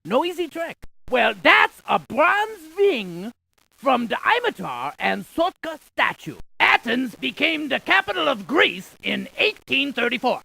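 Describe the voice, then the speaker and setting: A woman's voice: high voice, vocal fry, bright, forceful tone, no echo, full character voice, rough recording. A woman playing a quirky, chatty scientist in an educational game, delivering facts with theatrical emphasis and wordplay. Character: quirky, chatty female scientist spouting geography trivia. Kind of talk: animated educational game character lines.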